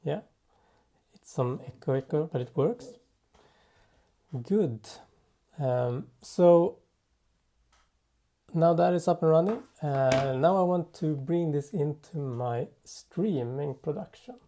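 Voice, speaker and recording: A man presenting an unscripted software tutorial in a halting way, thinking aloud as he works. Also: a little high. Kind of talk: unscripted software demo narration.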